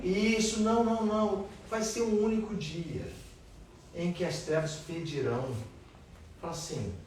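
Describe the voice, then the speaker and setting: A man teaching a Bible class, animated and asking his students questions. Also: high voice, measured pace. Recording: echoey room, distant mic, faint noise.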